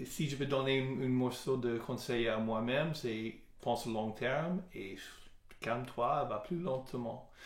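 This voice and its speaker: A man with an American accent speaks very slowly at a medium pitch, his intonation fairly even, with audible room echo. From United States. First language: English (speaking French). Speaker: worship leader. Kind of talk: podcast conversation. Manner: halting.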